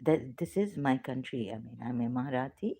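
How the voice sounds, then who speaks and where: Low-voiced hesitant woman, Pakistani accent. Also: expressive, normal speed, vocal fry, dark tone. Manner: hesitant, full of filler sounds. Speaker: vlogger. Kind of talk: personal monologue.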